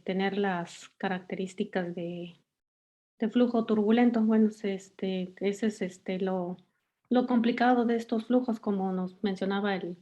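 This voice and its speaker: A woman's voice: mid-range voice, mellow, dull audio. A young woman with a Mexican Spanish accent, a student answering questions hesitantly over a video call. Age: young adult. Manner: hesitant, many fillers. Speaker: student presenter.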